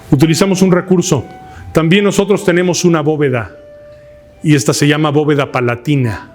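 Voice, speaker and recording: A man with a Mexican Spanish accent teaching an oratory workshop in a lecture hall, asking the class questions and shouting words to show his technique. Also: fairly high pitch. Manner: lively, asks the class questions, shouts demonstrations. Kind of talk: live workshop lecture to a room. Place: lecture hall with fabric ceiling.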